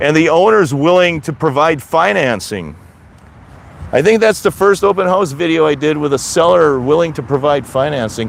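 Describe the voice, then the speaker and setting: Lively in intonation, a man talks with a Wisconsin accent. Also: fairly high pitch for a man, moderate pace. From Wisconsin, Manitowoc County. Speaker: livestreamer and open house video maker. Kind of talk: casual live stream chat. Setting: outdoors, walking by a lake.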